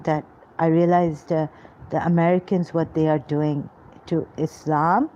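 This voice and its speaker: A woman talking to camera in a rambling personal monologue, halting often with pauses and fillers. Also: low-pitched, flat delivery, warm tone. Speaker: vlogger. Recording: dull lo-fi recording with faint noise.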